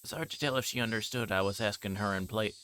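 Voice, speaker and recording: A man's voice: on the low side, fast, fairly bright tone, a little hiss or hum. A man reading a visual novel aloud on a livestream, narrating in first person and occasionally stumbling over words. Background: game music.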